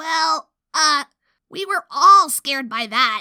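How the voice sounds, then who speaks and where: A woman does a squeaky put-on character voice at an extremely high pitch, with lively intonation and a fairly slow pace, in a dry, close sound with no echo. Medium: audio drama. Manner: brash, sporty.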